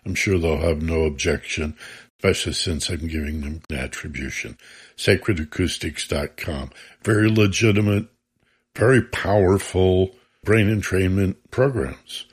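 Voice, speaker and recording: A man hosting a relaxation show, explaining calmly and guiding listeners in measured, unhurried phrases with pauses. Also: deep voice, slightly rough. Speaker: host of a relaxation and meditation audio show.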